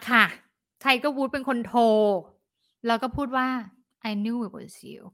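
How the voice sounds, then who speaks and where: A woman's voice: sits high, fairly even intonation, normal speed, bright, forceful tone. A woman telling a celebrity gossip story in a dramatic, chatty way, acting out the quoted lines.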